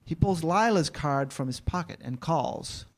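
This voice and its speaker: A man with a moderately high voice reads out screenplay directions. It is scripted narration, delivered as the narrator of a staged reading. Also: animated, a little slow. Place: live staged reading in a church.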